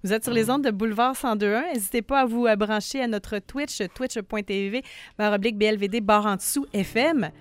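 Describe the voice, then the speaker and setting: A woman's voice: mid-range voice, a little fast, dry recording. A woman with a Saguenay–Lac-Saint-Jean Quebec French accent, hosting a radio show in the studio, upbeat and promotional. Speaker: radio host. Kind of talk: casual radio interview.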